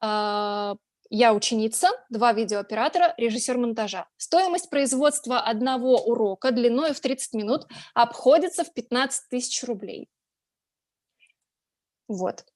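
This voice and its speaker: A woman's voice: fairly high pitch, lively intonation, normal speed, darkish tone, no echo, clean studio sound. A woman from Russia, a blogger and journalist, giving a conference presentation in a chatty way, with frequent filler sounds and restarts.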